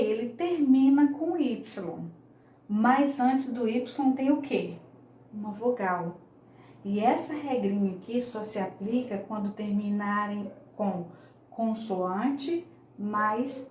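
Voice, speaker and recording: A woman's voice: on the high side, darkish tone, echoey room, a little hiss or hum. A woman, teaching English grammar in an online lesson, patiently repeating each key point.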